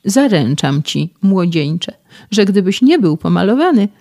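A man's voice: high-pitched, big pitch swings, measured pace, gravelly, a little mellow, voice pushed up, heavily acted. A man reading an audiobook, voicing a self-assured physician who lectures a young man in a sermonizing, patronizing way. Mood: lecturing.

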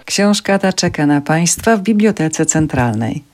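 A woman reading a passage of a novel aloud in measured, steady narration for a library program. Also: sits low, loud music behind the voice. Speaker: audiobook reader for a library program.

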